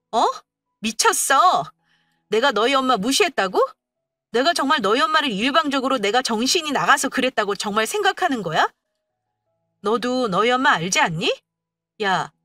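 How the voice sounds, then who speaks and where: A woman voicing a fierce young wife who answers her husband with sharp, cutting retorts. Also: on the high side, no room sound, studio quality, pitched above the performer's own voice, exaggerated voice.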